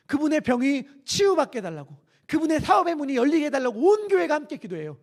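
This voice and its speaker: A male pastor delivers a sermon with a notably high, animated voice that swings up and down in pitch. He keeps it conversational, putting questions to the congregation as he goes. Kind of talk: expository sermon. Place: church sanctuary.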